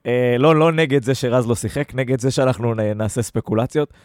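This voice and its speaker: A man's voice: mid-range voice, fairly even intonation, a little mellow, no room sound, studio quality. A man hosting a casual football fan podcast, talking conversationally and weighing things up as he goes. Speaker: podcast host.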